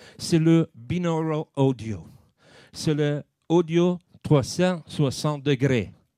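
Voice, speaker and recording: In an Italian accent, a man speaks very slowly with long, frequent pauses, his fairly high-pitched voice dark and mellow in tone with ordinary pitch variation, on a very clean, dry, close recording with a silent background and no echo. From Italy. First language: Italian (speaking French). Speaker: mobile content trainer and producer. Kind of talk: workshop talk. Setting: conference room with audience.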